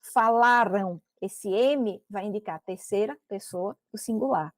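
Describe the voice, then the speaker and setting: A woman's voice: mid-range voice, measured pace, no room sound. A woman teacher with a Brazilian Portuguese accent, giving a recorded grammar lesson and explaining step by step, often checking with "né?" and "ok?".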